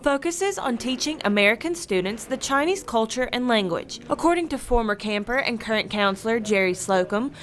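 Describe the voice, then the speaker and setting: A woman student reporter reading a scripted news story at a measured pace. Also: on the high side, animated, a bit bright. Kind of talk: news package narration.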